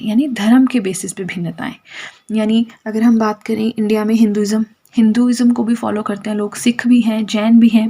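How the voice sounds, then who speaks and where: A woman's voice: a little high, a little mellow, slightly rough. A woman teacher explaining a school textbook chapter, mixing English terms into Hindi and checking in with "theek hai" after most points.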